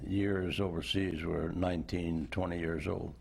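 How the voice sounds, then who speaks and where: A man in his nineties, a veteran recounting memories as a studio interview guest, unhurried and thoughtful with frequent pauses. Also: sits low, flat delivery, creaky, a little mellow, slight background noise. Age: 90s. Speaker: war veteran and author. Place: indoor television studio.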